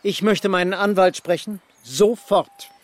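A man's voice: high voice, measured pace. A man playing a haughty, menacing upper-class hunter in a radio drama, speaking with condescension. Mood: indignant, threatening. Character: arrogant upper-class hunter, menacing, obsessive murder suspect. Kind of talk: German radio drama acting.

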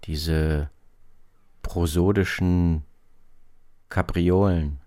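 A man presenting scripted radio commentary in terse fragments with deliberate pauses. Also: low-pitched, steady tone, dark tone, no room sound. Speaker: presenter of radio drama archive.

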